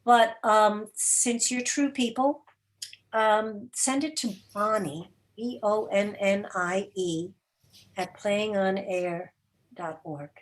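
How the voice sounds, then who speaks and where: Matter-of-fact woman, pausing as she explains. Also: medium pitch, fairly even intonation, low-quality recording. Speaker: guest, radio drama producer and interviewer. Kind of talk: casual question-and-answer talk. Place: remote video call.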